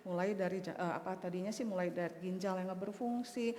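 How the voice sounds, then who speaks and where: Animated woman preaching in echoey hall. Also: on the low side, fast talker, a little hiss or hum. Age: 50s. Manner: animated storytelling with sudden loud outbursts. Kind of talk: sermon. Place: church hall. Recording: echoey church hall with long reverb.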